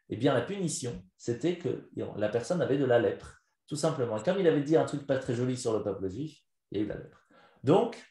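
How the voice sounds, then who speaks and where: A man, a rabbi, giving a live lesson as a story, animated and quizzing his listeners. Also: mid-range voice. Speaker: rabbi teaching a class. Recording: echoey room.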